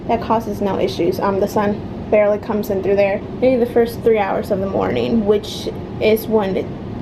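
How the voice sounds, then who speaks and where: A woman's voice: a little high, noisy background. Chatty young woman vlogging at home. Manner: chatty, addresses viewers as guys, many ums and likes. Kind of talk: casual product review vlog. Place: at home, bedroom and stairs.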